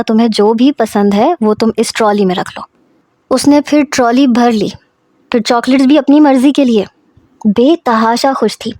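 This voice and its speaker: A woman narrating a scripted story in a steady, even storytelling manner. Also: on the high side, no room sound.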